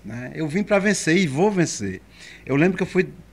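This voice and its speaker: Vocal fry runs through this man's voice as his pitch swings very widely. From Brazil, Pernambuco sertão (Arcoverde). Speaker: writer, poet and theatre artist. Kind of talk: interview, life story.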